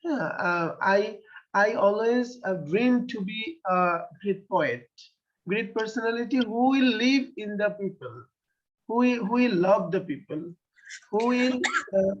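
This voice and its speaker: A man with a Bangladeshi accent, a poet whose first language is Bengali, answers interview questions in a halting way. He pauses often and restarts his sentences. The recording sounds dull and lo-fi. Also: high voice. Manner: hesitant, many fillers and restarts.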